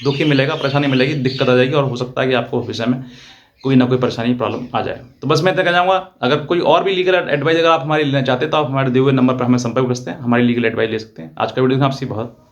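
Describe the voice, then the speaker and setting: A man's voice: medium pitch, very fast, highs cut off. A man, giving earnest legal advice straight to viewers and repeating his points. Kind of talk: direct-to-viewer advice talk.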